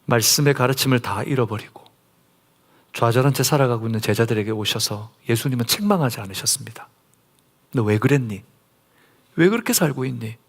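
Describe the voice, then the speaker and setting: A male pastor delivers a Sunday sermon at a steady middle pitch. He moves from hushed, almost whispered pleading into sudden loud, high bursts of emphasis. He reads scripture slowly with the congregation. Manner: dramatic, drops to a soft whisper for intimate lines and rises loud for emphasis. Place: church sanctuary.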